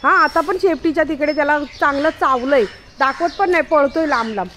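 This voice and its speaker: High-pitched woman scolding her dog. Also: fairly quick, a little hiss or hum. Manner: scolding, chiding a dog loudly. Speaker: vlogger talking to her pet dog. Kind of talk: casual home vlog.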